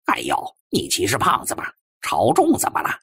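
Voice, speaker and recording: A grumpy, bossy talking cat from a supernatural audiobook, acted out by a man. The voice is very husky and swings widely in pitch. It barks scoldings at foolish humans, breaking into meows. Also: huge pitch swings, normal speed, no room sound, clean studio sound, exaggerated voice. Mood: irritable, scolding. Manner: scolding, loud, punctuates speech with meows.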